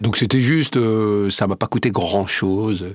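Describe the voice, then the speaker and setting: This man talks at a fairly slow pace in a fairly low pitch, with ordinary variation in his pitch. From France, Seine-Saint-Denis. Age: 40s. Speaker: writer and adventurer. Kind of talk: interview. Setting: studio. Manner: casual, hesitant with fillers.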